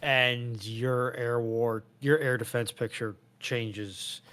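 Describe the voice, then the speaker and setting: A man talks as a guest in a casual discussion. His voice sits at an average pitch for a man, and his delivery is conversational. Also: steady tone, slow pace, fairly bright tone.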